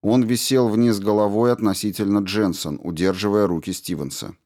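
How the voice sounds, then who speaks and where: A man reading a story aloud in a steady, measured narration. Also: lowish voice. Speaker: audiobook narrator. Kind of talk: scripted narration.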